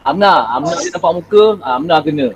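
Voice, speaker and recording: A male teacher with a Malaysian Malay accent coaxes his pupils through an online class. His voice sits high, and he fills his pauses with "ah" and "ya". A faint hiss runs under the video-call audio. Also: animated, low-quality recording. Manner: coaxing, repeats "ah" and "ya" often. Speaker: primary school teacher.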